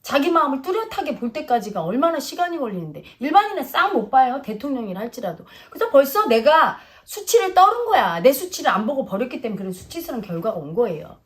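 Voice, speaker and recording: A woman's voice: high-pitched, big pitch swings, fast talker, hardly any pauses. A middle-aged woman giving a casual spiritual talk, lecturing and acting out quoted voices. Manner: lecturing, acts out quoted voices, drifts between plain and polite speech. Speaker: spiritual teacher.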